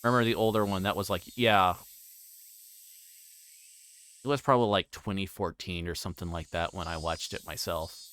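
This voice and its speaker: Low-voiced man, halting livestream chat. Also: fairly even intonation, a bit bright. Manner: halting, rambling, repeating words. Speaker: livestream host. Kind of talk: casual livestream chat while playing a visual novel.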